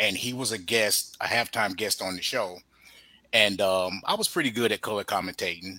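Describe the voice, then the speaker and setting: A man's fairly low, bright and sharp voice at a moderate pace. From Detroit, US Midwest. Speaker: nutrition coach and former football player. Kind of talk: casual interview. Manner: animated.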